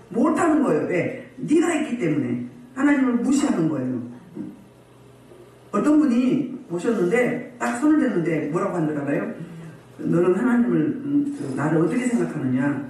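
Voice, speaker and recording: A woman's voice: fairly high pitch, darkish tone. Woman preaching in an echoey church hall. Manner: scolding, asks the congregation rhetorical questions. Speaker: pastor. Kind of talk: sermon at a healing service. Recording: very echoey hall, voice far from mic.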